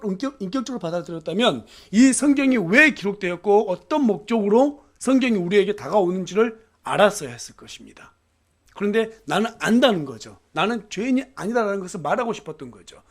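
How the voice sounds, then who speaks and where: High-voiced Korean pastor preaching earnestly. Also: male voice. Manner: earnest preaching with frequent affirming fillers and rhetorical questions. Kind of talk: sermon. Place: church.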